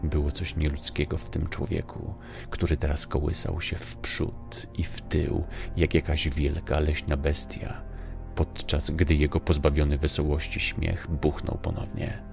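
Male audiobook narrator: extremely low, gravelly, even delivery of dark scripted fiction, clear music underneath. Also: a little slow. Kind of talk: scripted dramatic story narration.

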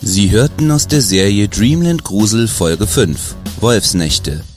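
A man's voice: on the low side, lively intonation, slow pace. A man reading scripted credits as an announcer. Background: guitar music.

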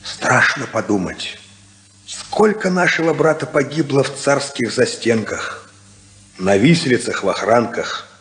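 An actor playing an older worker who gives a rousing funeral speech to a crowd, in an echoey 1950s radio play recording. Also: male voice, medium pitch, lively intonation, measured pace, a bit bright. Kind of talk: 1950s radio drama acting.

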